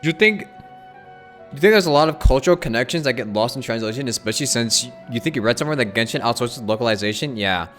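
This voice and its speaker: A man's voice: medium pitch, expressive, quick pace, a bit bright. A man doing casual livestream commentary as he plays a game, chatting informally with viewers. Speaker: game streamer. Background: game music.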